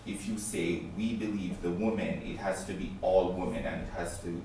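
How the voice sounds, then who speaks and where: Deep-voiced man, distant in an echoey hall. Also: fairly even intonation, moderate pace, darkish tone, slight background noise. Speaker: journalist asking a question. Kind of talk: audience question at press conference. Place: press club conference room. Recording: distant, very echoey room mic.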